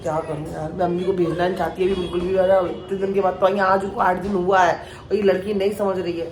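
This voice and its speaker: A woman's voice: lowish voice, level tone, fast talker, a little mellow, roomy sound, slight background noise. A young woman chatting casually to her camera in a home vlog, worried and talking in short bursts. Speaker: vlogger.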